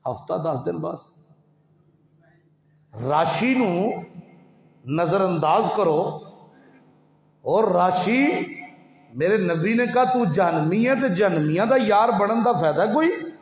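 Male preacher, thirties, high pitch, slow delivery, chanting sermon on a headset mic in an echoey hall. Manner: chanting, shouting rises into slow sung phrases, then quick asides. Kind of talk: Friday sermon. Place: large mosque hall, indoors. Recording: roomy, slightly dull hall recording.

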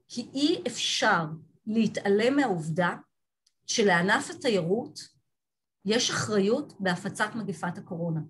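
A woman giving an online lecture from slides on a video call, talking thoughtfully with frequent restarts and pauses. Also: on the high side, a bit bright, breathy edge. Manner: thoughtful, halting, many restarts.

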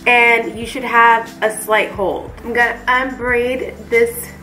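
A woman's voice: on the high side, little pitch movement, slow, sharp tone, faint music behind, poor audio. A young woman with a stuffy voice from the flu, chatting upbeat and directly to her viewers in a casual hair tutorial. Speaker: beauty vlogger.

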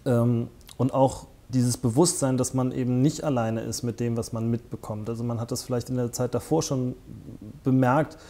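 Man in his forties, mellow dark tone, hesitant, lots of fillers, studio interview guest, lapel mic. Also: mid-range voice, fairly even intonation, moderate pace. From northern Germany. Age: 40s. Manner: hesitant, many fillers and restarts. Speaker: interview guest, festival founder. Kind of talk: conversational interview. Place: small studio set with armchairs.

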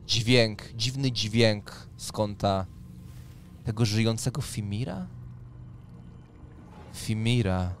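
Acting as game master, a man in his thirties explains the rules and narrates a tabletop role-playing scene in a lower voice, speaking slowly and pausing often. He uses a boom-arm studio microphone, and the recording's background noise is clear.

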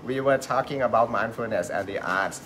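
A man from Thailand with a Thai accent, hosting and teaching on a live stream. He talks in a halting way, searches for words and chuckles often. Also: mid-range voice, fairly bright tone, slight background noise. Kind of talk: live-stream talk, switching between English and Thai.

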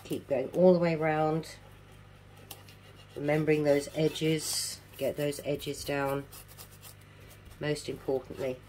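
A middle-aged woman's voice, sitting low and a little mellow, explains a craft project indoors at a home table, level in tone, slow, and frequently pausing. She has no teeth, which slightly slurs her words, and she repeats key steps during the casual demonstration. There's slight background noise.

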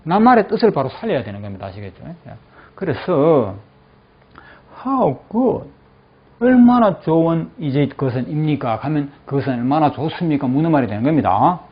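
A male English teacher leads a classroom drill in a fairly high, animated voice. He says each phrase slowly, explains it, and keeps checking that the class follows. The recording sounds dull and lo-fi. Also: slightly rough. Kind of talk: classroom lecture with repeat-after-me drills.

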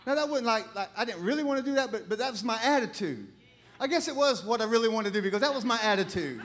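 A middle-aged male pastor, preaching a sermon full of humorous, animated stories and bursts of shouting. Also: very high-pitched, fast. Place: church.

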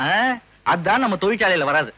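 A cheeky young son, high husky voice, bouncy and bright. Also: male voice, expressive, fairly quick, heavily acted, rough recording. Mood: teasing. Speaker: young son starting a business. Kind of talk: 1980s Tamil film comedy.

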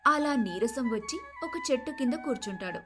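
A woman's voice: high voice, expressive, normal speed, music in the background. A woman reading a scripted moral story as its narrator.

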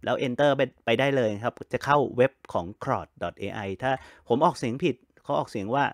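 A man's voice: medium pitch, steady tone, no room sound, studio quality. Chatty man explaining step by step. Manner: chatty, step-by-step, spells letters with a phonetic alphabet; frequent drawn-out fillers. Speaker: computer tutor. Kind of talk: casual screen-reader tutorial.

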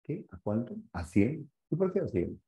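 A man's voice: medium pitch, sing-song, moderate pace, creaky, mellow, reverberant, muffled recording. A man with a Peruvian accent voicing an eager, polite young woman who is opening a bakery. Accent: Peruvian Spanish. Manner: polite, eager, asking favors.

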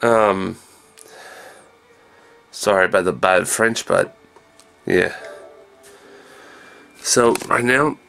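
A man in his thirties with a creaky, gravelly voice, rambling casually in a low-key video diary, recorded indoors on a handheld camera at arm's length. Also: drawn-out words, long pauses, sharp tone, faint music behind. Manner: low-key, meandering, jumps between everyday subjects. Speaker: vlogger. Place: small room indoors.

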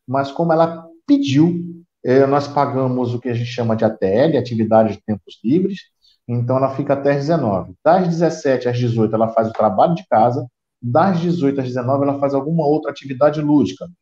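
A man's voice: mid-range voice, a little fast, warm tone. Brazilian man in a roomy, dull call. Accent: Brazilian Portuguese. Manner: explains at length, many restarts. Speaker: guest. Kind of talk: casual chat on a video call.

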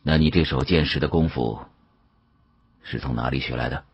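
A man voicing a shrewd, amused older male official with a husky voice and a measured, knowing manner in an audiobook. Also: extremely low pitch, dull audio, voice pushed down. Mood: probing.

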